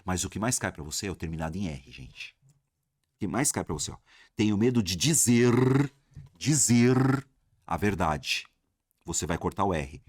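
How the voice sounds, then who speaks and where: A man with a Brazilian Portuguese accent teaching a lively exam-prep grammar lesson, talking straight to his viewers and asking himself questions. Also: sits low, normal speed, husky, dry recording. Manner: animated, addresses viewers as "galera", asks himself questions.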